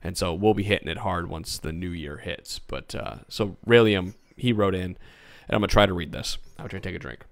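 Deep gravelly guy, voice worn out from a cold, dry close sound. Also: fairly quick, few pauses, dry recording. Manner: reads listener questions aloud, coughs. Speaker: podcast host. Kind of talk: casual gaming podcast chat.

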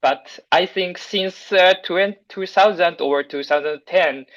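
Guy asking a question on a webinar call, super slow, keeps searching for words, muffled dry audio. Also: sits high, a bit bright, no echo. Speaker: audience member asking questions. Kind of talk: halting question in a webinar discussion.

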